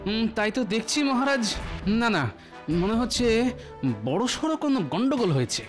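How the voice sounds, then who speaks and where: Actor doing a witty jester, lively intonation, calm, music behind. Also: medium pitch, moderate pace, close to an everyday voice. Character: witty clever male court jester.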